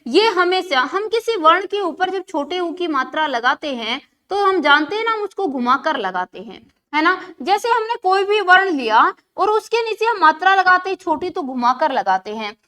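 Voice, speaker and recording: A woman's voice: very high voice, sing-song, normal speed, pushed and bright. A woman teaching an exam-prep lesson who keeps asking questions and answering them herself, repeating key words for emphasis.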